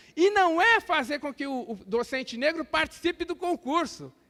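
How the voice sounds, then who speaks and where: A man's raised, projected voice sits at an extremely high pitch, bright and sharp in tone with lively intonation. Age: 60s. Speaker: professor. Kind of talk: lecture.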